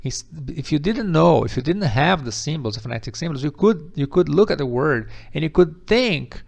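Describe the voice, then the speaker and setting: A Brazilian man with a Brazilian Portuguese accent teaching English pronunciation, explaining patiently, repeating words slowly and often checking with "ok?". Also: on the high side, lively intonation, vocal fry, a little mellow. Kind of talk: pronunciation lesson.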